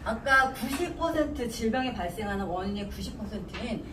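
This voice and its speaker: Lively woman presenter in a roomy, noisy space. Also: on the high side, brisk. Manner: didactic, repeats key terms and quizzes listeners. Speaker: product presenter teaching supplement ingredients. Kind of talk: informal sales lecture with questions to listeners. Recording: roomy, noisy recording from a distance.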